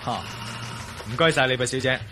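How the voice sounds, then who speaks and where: A man playing a calm, decisive adventurer hero in a Cantonese radio play, talking in a terse, businesslike way. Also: medium pitch, normal speed, lightly acted. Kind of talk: radio drama acting.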